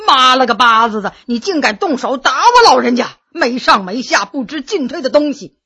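A woman's voice: high voice, very animated, a little slow, bright, forceful tone, heavily acted. A woman doing a mocking old merchant. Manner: switches between coarse and bookish. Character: shrewd old male tea merchant, mocking.

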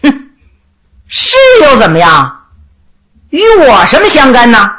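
A woman's voice: big pitch swings, takes it slowly, fairly bright tone, full character voice. A woman voicing a defiant, disgraced male official who sneers and speaks scornfully under interrogation. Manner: sneering, scornful, with low laughs.

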